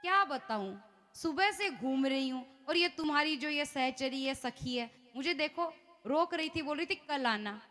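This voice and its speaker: Pushy jewellery seller, loud, complaining, bright high voice, woman doing the voice. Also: steady tone, slow pace, faint music behind. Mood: aggrieved. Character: Krishna disguised as a female jewellery seller, pushy.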